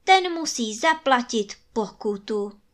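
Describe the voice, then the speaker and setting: A woman voicing a boastful adult gentleman in a children's storybook reading, talking emphatically. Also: a little high, lively intonation, lightly acted. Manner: emphatic, indignant.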